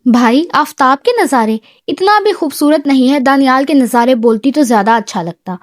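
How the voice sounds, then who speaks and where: A woman's voice: high-pitched, animated, dry recording, clean studio sound. A woman voicing a dramatic young man who sulks and pleads with his older brother. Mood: sulky. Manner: whiny, pleading.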